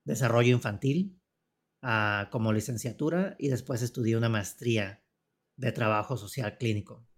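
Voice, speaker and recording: A man in his forties from Tijuana with a northern Mexican Spanish accent, a psychotherapist telling his story in an interview in a calm, steady, reflective way. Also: medium pitch, moderate pace. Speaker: psychotherapist guest. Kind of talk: personal account in an interview.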